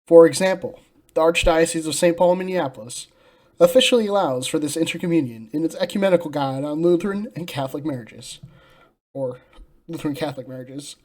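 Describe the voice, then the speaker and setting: A man with an American accent and a somewhat high-set voice delivers religious commentary from a script. His delivery is solemn and declarative, with emphatic stress on his claims. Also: fairly quick, darkish tone. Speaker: host of a religious commentary channel.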